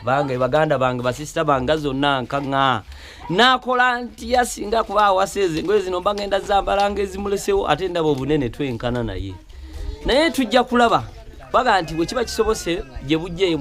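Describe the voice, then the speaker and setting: A man's voice: fairly high pitch, a bit bright. A man with a Ugandan accent hosting a casual interview on a film set, hesitant with many fillers and restarts. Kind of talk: casual interview, switching to Luganda commentary. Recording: crowd chatter behind.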